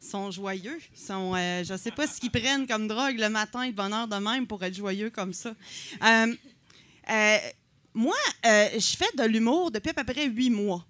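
A woman's voice: medium pitch, a little slow, fairly bright tone, no echo. A woman in her forties from Quebec City with a Quebec French accent, doing a chatty, self-mocking stand-up set with lots of filler words. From Quebec City, Canada. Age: 40s. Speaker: stand-up comedian. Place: comedy night on stage.

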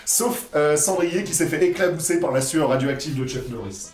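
A man's voice: a little high, normal speed, very noisy. A man chatting casually between voice takes, hesitant and full of fillers. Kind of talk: casual blooper chat. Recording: echoey room with loud music.

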